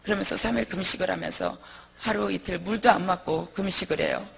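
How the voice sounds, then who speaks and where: A woman's voice: lowish voice, fairly quick, vocal fry, fairly bright tone, husky. A woman minister giving an earnest, vivid personal testimony, reliving her pleading prayers as she tells the story.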